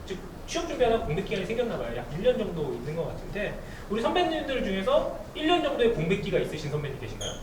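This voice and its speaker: A man hosts an upbeat panel talk and reads out listener questions. His voice sits high and swings widely. He is heard from a distance in an echoey hall. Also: sing-song, rapid-fire, hardly any pauses. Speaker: host. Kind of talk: hosting a talk concert. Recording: echoey event hall, distant mic, noisy.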